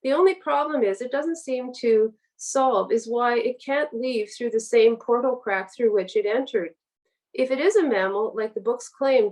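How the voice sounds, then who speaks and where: A woman's voice: a little high, a little mellow, recorded from a distance, low-quality recording. A woman guest author speaking on a literary podcast. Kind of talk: literary reading and podcast conversation.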